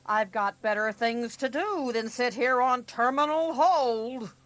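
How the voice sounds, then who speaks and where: A woman's voice: fairly high pitch, unhurried, heavy background noise, close to an everyday voice. A woman playing an indignant, impatient nurse in a training-film phone skit.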